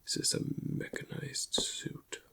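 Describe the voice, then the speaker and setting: A man playing a shady alien dealer in black market antiquities, in a hushed, whispery ASMR roleplay with a gravelly voice and a musing manner. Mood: curious, appraising. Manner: hushed, unhurried, musing over goods. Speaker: ASMR performer.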